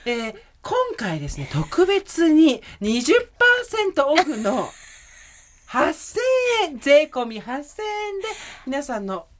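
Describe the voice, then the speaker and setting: A woman plays a perky home-shopping presenter with a polished customer-service voice. The pitch is high and swoops freely as she politely pushes the stock in a TV sales parody. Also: wildly swooping pitch, slow, exaggerated voice. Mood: polite selling.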